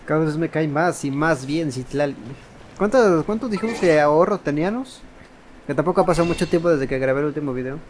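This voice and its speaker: A man's voice: a little high, fast, slight background noise. A man with a Latin American Spanish accent giving casual, rambling gameplay commentary and often correcting himself. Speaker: gaming video host. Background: game music.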